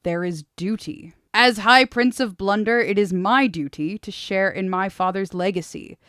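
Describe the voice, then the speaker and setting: A woman voicing a brutal, broad-shouldered young male high prince who makes loud proclamations. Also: normal speed, clean tone, no echo, studio quality. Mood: proclaiming.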